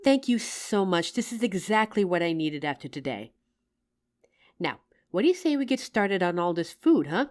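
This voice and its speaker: A woman's voice: fairly low pitch, normal speed. A woman playing a loving, teasing working wife, tired after work, in an affectionate roleplay addressed to the listener. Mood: touched, affectionate. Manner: affectionate, playful, expressive.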